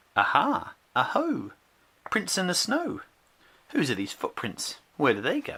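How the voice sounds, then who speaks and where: A man's put-on character voice, high in pitch, fairly slow, with long, frequent pauses. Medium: read story. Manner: sly, self-assured.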